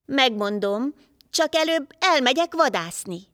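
A woman's voice: high-pitched, lively intonation, a bit bright, no echo, studio quality, pitched above the performer's own voice. A woman voicing a cruel, mocking male hunter villain in a folk tale. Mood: scornful. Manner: scornful, mocking.

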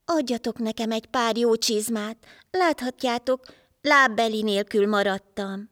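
A woman's voice: on the high side, a bit bright, dry recording, studio quality, lightly acted. Woman reading a desperate, pleading winged traveler in a storybook tale. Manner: pleading, insistent. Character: winged stranger stranded, pleading then angry.

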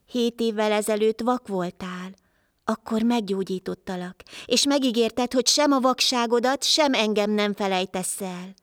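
A woman voicing Life, a wandering healer, in a calm, measured storybook voice. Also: mid-range voice, dry recording, clean studio sound, lightly acted. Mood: stern.

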